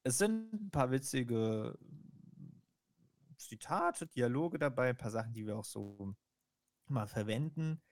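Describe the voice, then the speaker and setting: Male co-host, unhurried and hesitant, weighs his opinions; dry close mic. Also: medium pitch, expressive, a little mellow, no room sound. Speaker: podcast co-host. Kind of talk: casual chat.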